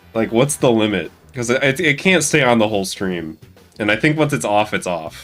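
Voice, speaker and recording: Over background music, a man talks at a fairly quick pace with a medium pitch and very wide pitch swings. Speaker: gaming streamer. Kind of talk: casual live stream commentary. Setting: live stream while wearing a mask.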